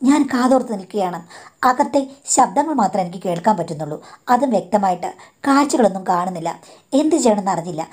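A woman's voice: medium pitch, lively intonation, quick pace, darkish tone. A woman narrating her own life story in a confiding, indignant tone, often addressing her listener as madam.

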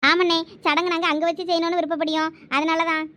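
High-voiced woman with Thoothukudi Tamil accent. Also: little pitch movement, fast talker, bright, forceful tone. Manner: bickering, domestic back-and-forth. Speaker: village comedy skit actor. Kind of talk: village comedy skit dialogue.

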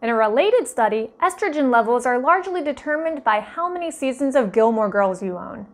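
A woman in her thirties co-hosting as a parody news anchor, reading scripted joke headlines with deadpan, mock-serious delivery. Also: high-pitched, a little fast.

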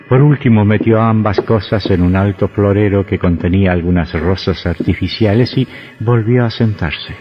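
A man narrating a radio drama in a measured, suspenseful way. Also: low-pitched. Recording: dull lo-fi audio with faint music.

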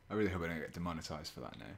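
A man with a low, fairly monotone voice, chatting casually on a live stream while he paints miniatures and reads chat. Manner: relaxed, chatty, chuckles often, reads chat aloud. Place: indoors at a painting desk.

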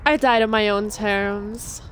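A woman giving casual gameplay commentary, jumpy and quick to laugh, swearing often. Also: mid-range voice, fairly even intonation, over music. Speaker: gamer.

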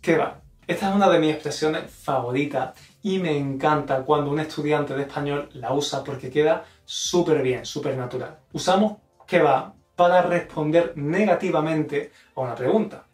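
A man's voice: on the high side, normal speed, few pauses, roomy sound, recorded from a distance, faint music behind. A man from Spain with a Spanish accent, explaining expressions in a video lesson and carefully modeling intonation. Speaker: Spanish teacher.

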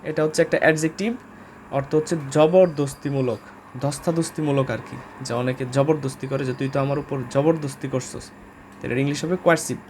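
A man with a Bangladeshi accent teaches English vocabulary casually, spelling words out letter by letter and using lots of filler sounds. His voice sits at medium pitch with fairly even intonation, a quick pace, and a slightly mellow quality, over faint background noise.

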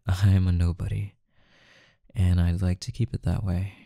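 A man playing a calm, intimidating, teasing mafia boss in an ASMR roleplay, with a menacing yet softly coaxing delivery and deliberate pauses. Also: deep voice, creaky, dry recording, clean studio sound. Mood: calm menace.

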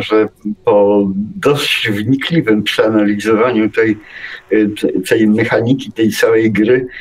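Slow, halting man on talk radio. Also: fairly low pitch, darkish tone, poor audio. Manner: halting, searching for words. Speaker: radio show co-host and video game enthusiast. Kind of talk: unscripted radio discussion.

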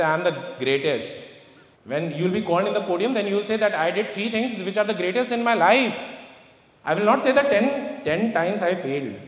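A middle-aged man giving an emphatic motivational finance presentation in short repeated phrases and rhetorical questions. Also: high voice. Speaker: investment speaker. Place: large auditorium stage. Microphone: handheld microphone through hall sound. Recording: echoey large hall, long reverb.

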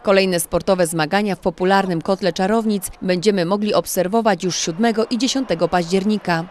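A woman reading a scripted news voice-over in an even, measured way. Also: mid-range voice. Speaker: news narrator.

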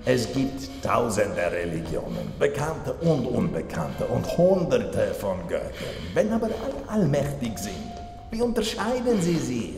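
An actor playing a grandiose, gloating mad cultist doctor with theatrical, menacing phrasing in a horror audio drama. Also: male voice, mid-range voice, big pitch swings, gravelly. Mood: smug, lecturing. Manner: theatrical, drawn-out menacing phrasing, swinging from whispers to shouted incantation. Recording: reverberant hall, music behind.

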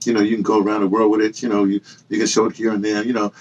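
A man in his sixties speaks in a fairly deep voice with a rough, husky grain. He rambles casually like a channel host sharing memories, circling back and rephrasing himself as he goes. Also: monotone, very fast, highs cut off. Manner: digressive, self-correcting storytelling. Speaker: host of a personal memoir channel, audio dramatist. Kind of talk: casual rambling monologue to camera. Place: small indoor room with bookshelves and hung clothes.

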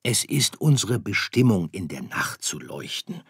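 A man voicing a patient, gentle father star who calmly explains things in an audiobook. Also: low voice, measured pace, breathy edge, no echo, studio quality, exaggerated voice. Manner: calm, explaining. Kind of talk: audiobook character voice.

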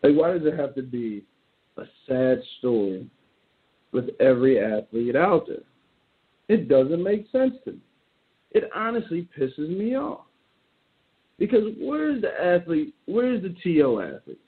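A man's voice: on the high side, very animated, unhurried, long pauses. A man hosting a talk show, ranting in a loose, joking, slangy way. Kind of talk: casual solo commentary. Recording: tinny phone-like audio.

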